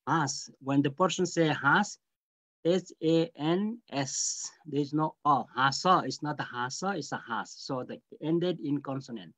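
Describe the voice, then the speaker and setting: A man's voice: on the high side, a little slow, fairly bright tone, no room sound. An older man giving an online guest lecture on language, spelling words out letter by letter and repeating key phrases. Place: home room, virtual background. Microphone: laptop video call. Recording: dull lo-fi video call.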